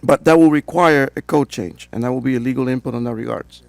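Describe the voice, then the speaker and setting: A man with a cold, hoarse, giving a steady, procedural presentation to a town council as code enforcement director. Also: medium pitch, quick pace, no room sound. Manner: steady and procedural, with frequent fillers.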